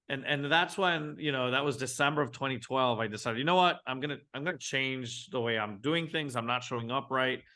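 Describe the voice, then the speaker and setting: A man, telling his business story as a guest in a casual interview, animated and often restarting his sentences. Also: medium pitch. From Venezuela. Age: 40s. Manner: animated, frequent restarts, acts out his own thoughts. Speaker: guest entrepreneur.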